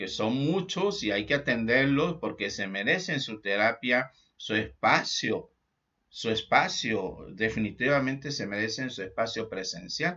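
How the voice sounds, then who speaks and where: A man speaks at a fairly slow pace with lively intonation. His pitch is medium. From Mexico. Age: 60s. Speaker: psychotherapist. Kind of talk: casual talk. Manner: halting, many fillers.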